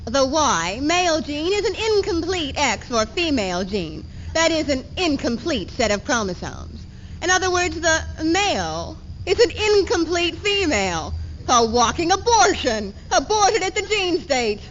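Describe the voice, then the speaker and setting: A dull, slightly noisy 1970s tape carries a high female voice of a stage reader acting. She is an earnest, defiant woman in a readers theater piece, declaiming each statement with emphasis. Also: very animated, measured pace. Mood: scornful. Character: earnest, defiant woman, one self of a divided woman.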